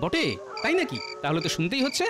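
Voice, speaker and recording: A man's voice: high voice, sing-song, fast, heavy background noise. A man voicing a clever, witty old male court jester in a cartoon, sly and playful. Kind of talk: cartoon voice acting.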